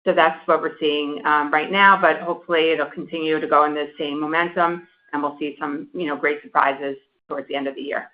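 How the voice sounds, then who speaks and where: An executive with a medium-pitched voice answers a question on an earnings call. The recording is a little dull and lo-fi. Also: fairly even intonation, brisk. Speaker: company executive. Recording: dull conference call audio.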